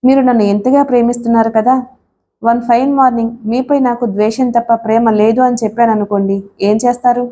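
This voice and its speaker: A woman voicing a young wife who speaks quietly but firmly in an audiobook. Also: a little high, steady tone, a little fast, a little hiss or hum, lightly acted. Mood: teasing. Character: young wife, calm, firm, secretive.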